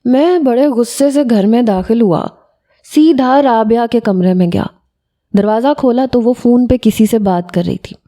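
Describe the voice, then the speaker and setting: A woman's voice: on the high side, mellow. A woman narrating a first-person audio story as a schoolboy.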